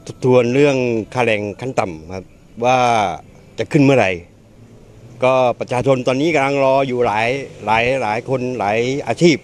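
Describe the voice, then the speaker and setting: A man's voice: medium pitch, normal speed. A middle-aged man interviewed indoors on a handheld mic, speaking directly and insistently. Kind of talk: street interview. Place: indoors by a wall.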